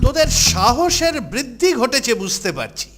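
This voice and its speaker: A man's voice: extremely high pitch, sing-song, moderate pace. A man voicing a stern, grumpy older hostel master who scolds and orders in a children's cartoon. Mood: angry scolding. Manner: scolding, commanding. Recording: music behind the voice.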